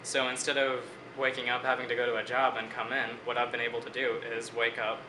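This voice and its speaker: A man in his twenties from Bangladesh, a student answering interview questions in a measured, reflective way. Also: mid-range voice, monotone, echoey room, background noise. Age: 20s.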